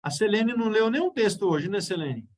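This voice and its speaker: A man's voice: high-pitched, animated, brisk. A man with a Brazilian Portuguese accent teaching a Bible study, explaining step by step and often checking in with his listeners.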